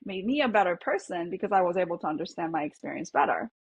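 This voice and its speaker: A woman's voice: lowish voice, big pitch swings, fast talker, breathy edge, no echo, highs cut off. A woman psychologist, originally from Korea with Korean as her first language, reflecting in a podcast interview with many fillers and restarts. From South Korea. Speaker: psychologist guest.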